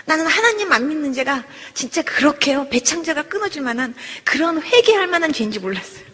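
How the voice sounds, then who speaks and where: Woman pastor, high voice, emotional testimony with acted-out dialogue; long hall reverb. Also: fast. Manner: animated storytelling, acts out quoted dialogue, voice rises into pleading.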